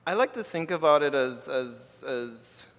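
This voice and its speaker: Thoughtful man from the Bahamas, halting. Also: on the high side, lively intonation, a bit bright. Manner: thoughtful, halting with repeated restarts. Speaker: keynote speaker, artist. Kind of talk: live panel conversation. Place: lecture hall with audience. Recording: reverberant hall.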